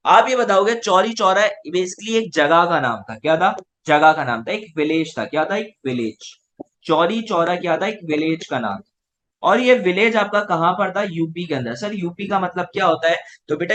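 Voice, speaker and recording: A man's voice: high voice, lively intonation, moderate pace, a bit bright, a little hiss or hum. A male teacher with a Pakistani Urdu accent, giving an online class lecture and answering his own rhetorical questions.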